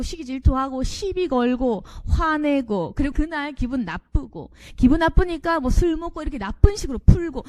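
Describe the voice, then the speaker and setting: Animated high-voiced woman pastor preaching. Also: dry recording. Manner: animated preaching, acts out quarrelsome inner voices, asks the congregation questions. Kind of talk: sermon.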